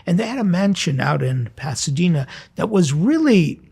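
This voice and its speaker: A man's voice: fairly high pitch, big pitch swings, moderate pace, gravelly, a little mellow, husky. A middle-aged or older American man, a priest, giving an informal sermon with personal stories in a conversational, reflective way. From Southern California, United States. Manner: conversational, reflective, rhetorical questions. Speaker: priest, host.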